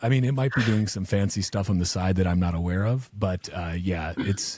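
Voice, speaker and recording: A man talks with lively intonation in a somewhat breathy voice. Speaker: podcast host. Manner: casual, self-deprecating, relaxed.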